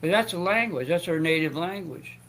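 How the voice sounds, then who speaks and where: Man, talk show host, gravelly voice, slightly high, stammers and restarts, joking asides. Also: animated, fairly quick, fairly bright tone, a little hiss or hum, poor audio. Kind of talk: rambling esoteric talk.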